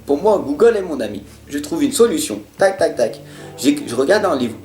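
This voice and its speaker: Guy doing a tarot horoscope, kinda stammery, goes loud then soft, echoey room, bit of music. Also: fairly high pitch, sing-song, normal speed. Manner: earnest, repetitive motivational talk; stutters at times. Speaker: tarot reader. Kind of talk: monthly horoscope reading. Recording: roomy sound with faint guitar music.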